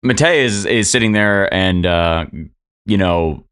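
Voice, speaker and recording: A man's voice: deep voice, measured pace, a bit bright, clean tone. A man narrating as game master of a tabletop game, rambling with lots of fillers.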